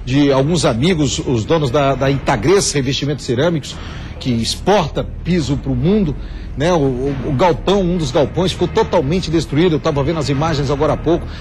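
Middle-aged south brazil guy anchoring the news, pretty high voice, music playing under him. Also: a little fast, darkish tone. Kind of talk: news presenting with live interview. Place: indoor TV news studio.

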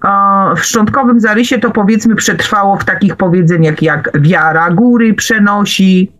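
A man hosting a conversational radio interview, speaking haltingly with frequent pauses mid-phrase. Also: high voice, fairly bright tone, low-quality recording. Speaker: radio host.

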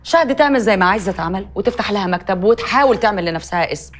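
A woman's voice: medium pitch, animated, rapid-fire, lightly acted. An actress playing a stern woman who scolds and lectures her relatives with an Egyptian accent. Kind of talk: TV drama acting. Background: music.

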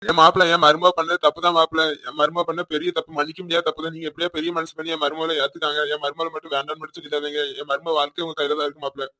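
A bright, fairly high cartoon voice of a humble village father, apologetic and pleading with a Tirunelveli Tamil accent. He speaks very quickly in a dry, close sound. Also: little pitch movement, dry recording. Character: humble older village father begging forgiveness.

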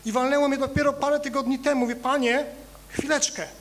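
A male pastor preaching a sermon in a church, animated and conversational, swinging between loud emphatic rises and quiet low asides while joking with the congregation. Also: rapid-fire. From Poland. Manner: conversational, addresses congregation directly with humor.

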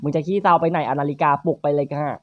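A gaming channel host, giving playful, crude let's-play commentary in quick teasing banter. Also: no echo, dull audio. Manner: crude, teasing, rapid banter with frequent high laughs.

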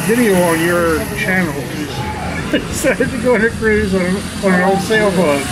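An American man in his sixties from New York state, speaking informally to camera in halting, clipped phrases. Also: high voice. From Buffalo, New York, United States. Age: older, 60s. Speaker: charter guest crew. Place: outdoor yard by a street. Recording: very noisy outdoor street recording.

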